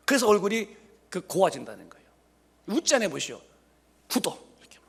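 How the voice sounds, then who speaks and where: A man's voice: high-pitched, creaky, a bit bright, slightly rough. A man in his fifties preaching a humorous sermon as a pastor, joking and firing rhetorical questions at the congregation. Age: 50s. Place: church sanctuary.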